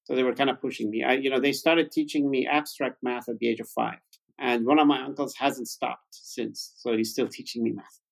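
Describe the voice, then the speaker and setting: Gravelly man in his fifties from Iran. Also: medium pitch, fairly even intonation, a little fast, rough recording. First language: Farsi. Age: 50s. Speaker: interview guest, tech founder. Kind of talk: conversational storytelling.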